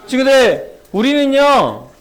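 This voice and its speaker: Brief: male children's pastor, high and sing-song, storytelling sermon full of questions for kids. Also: sing-song, slow pace. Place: church children's service.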